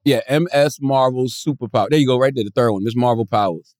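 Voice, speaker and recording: A man co-hosting a podcast in casual chat, animated and slangy, often laughing. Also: mid-range voice, quick pace, dry recording, clean studio sound. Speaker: podcast co-host.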